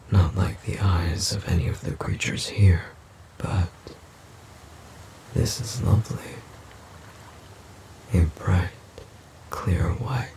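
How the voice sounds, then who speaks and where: A man playing a gentle, puzzled forest demon in an audio roleplay, speaking haltingly and formally in a breathy, gravelly half-whisper. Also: deep voice, exaggerated voice, poor audio. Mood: tender, fascinated. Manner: halting, formal, literal-minded speech. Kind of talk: audio roleplay, slow character acting.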